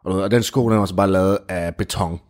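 A man telling an improvised comic story in casual chat, animated and full of fillers. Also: low-pitched. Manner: animated, jumps into character voices, many fillers like "du ved".

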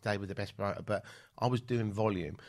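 A man's voice: fairly low pitch, fast. A middle-aged man with a southern English accent, chatting casually as an interview guest and telling anecdotes in a blokey, sweary way. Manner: chatty, sweary storyteller, acting out remembered exchanges. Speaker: podcast guest, event promoter and film producer.

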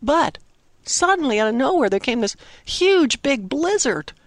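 A woman telling a dramatic Christmas story for children, with simple, expressive phrasing and emphatic pauses. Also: high-pitched, dry recording, studio quality. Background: music under the narration.

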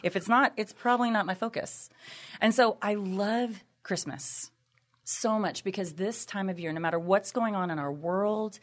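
A woman with a Texan accent, a podcast guest talking about faith in an expressive, emphatic way, repeating phrases for effect. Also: medium pitch, normal speed. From Texas, USA. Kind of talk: faith-based conversational chat. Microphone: headphones on, studio mic.

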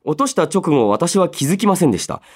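A man hosting a solo radio show, chatting and reading listener mail in an animated way, slipping between polite announcing and casual asides. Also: a little high, quick pace. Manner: animated storytelling with sound-effect words and casual asides.

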